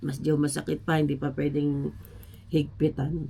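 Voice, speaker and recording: A woman speaks in a very deep, low voice with a dark, mellow tone. Her pace is fairly slow. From Philippines. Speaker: vlogger. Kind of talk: casual vlog talk. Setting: at home.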